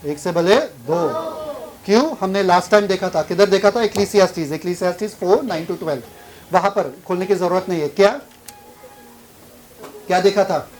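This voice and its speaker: Pastor leading a sermon, keeps quizzing the congregation. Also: male voice, high voice, a little slow, faint music behind, rough recording. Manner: questions the congregation and drives for answers.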